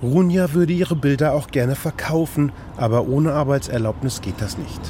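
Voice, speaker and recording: A man reporting and narrating a scripted radio feature in a measured, even way. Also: fairly high pitch, background noise.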